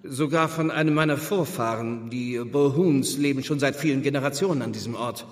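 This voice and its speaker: In a reverberant church space, a man acts a grieving Anglican reverend in a radio play. His mid-pitched voice is solemn, stiff and guarded, with curt, defensive replies. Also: fairly quick, natural voice. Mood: guarded, irritated. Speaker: actor playing an Anglican clergyman. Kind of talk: German radio play acting.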